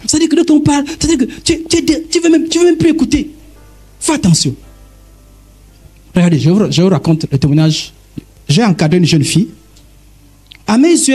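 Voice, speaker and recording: A man preaching a sermon, emphatic and addressing listeners directly, with a husky voice. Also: high voice, warm tone. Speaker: pastor.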